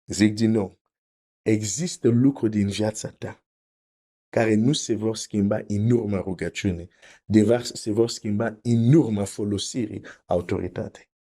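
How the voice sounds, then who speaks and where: A man's voice: fairly low pitch, warm tone. A man preaching a teaching sermon, explaining carefully, repeating his points and reading scripture aloud.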